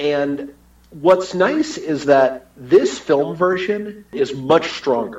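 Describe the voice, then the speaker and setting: Very slowly, a man gets his words out as noticeable background noise carries on around him. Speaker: film critic. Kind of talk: film review.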